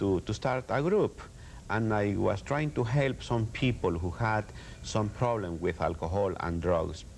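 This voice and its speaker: Speaking very slowly with a Spanish accent, a man with a fairly low voice uses lively intonation. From El Salvador. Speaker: Lutheran pastor. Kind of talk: TV interview. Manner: halting.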